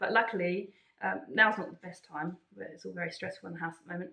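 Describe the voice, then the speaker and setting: A woman's bright, sharp voice with vocal fry, ordinary pitch variation and a very fast pace. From England. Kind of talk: casual talk to camera. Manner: rambling, hesitant.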